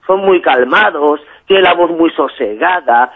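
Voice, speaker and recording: A defiant man, slangy and rambling as he mocks the other side of the call. His slightly high, husky voice comes through a tinny phone line. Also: expressive, unhurried. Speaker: caller. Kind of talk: heated prank phone call.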